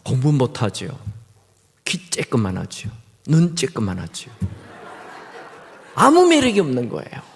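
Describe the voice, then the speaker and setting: A middle-aged male guest pastor preaching a sermon in a church, telling humorous stories in an animated way. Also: mid-range voice, creaky. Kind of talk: sermon with storytelling. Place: church sanctuary. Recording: reverberant church hall.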